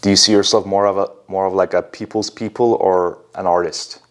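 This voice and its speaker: A man from Iran hosting a podcast, chatting in a relaxed, loose way with lots of fillers. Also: low-pitched, a little fast. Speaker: podcast host. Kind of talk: casual conversational interview.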